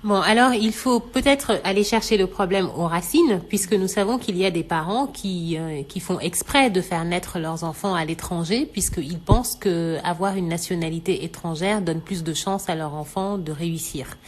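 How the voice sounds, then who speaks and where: Senegalese woman on radio explaining things, lowish voice, lots of euhs, calm and thoughtful. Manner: measured, thoughtful, many fillers. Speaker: radio show expert guest. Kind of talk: radio talk show explanation.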